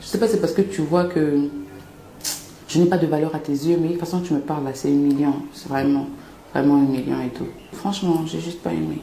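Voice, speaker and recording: A soft-spoken woman talks at a fairly quick pace over noticeable background noise, with audible room echo. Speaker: vlogger giving relationship advice. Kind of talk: casual storytelling vlog.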